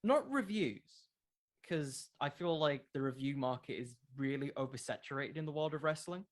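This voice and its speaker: A man's voice: medium pitch, expressive, normal speed. Earnest man explaining in casual interview chat. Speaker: podcast creator, interview guest.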